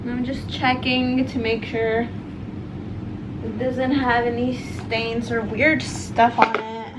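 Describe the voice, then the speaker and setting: A woman's voice: on the high side, level tone, slow, very noisy. Chatty young woman vlogging at home. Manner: chatty, addresses viewers as guys, many ums and likes. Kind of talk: casual product review vlog. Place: at home, bedroom and stairs.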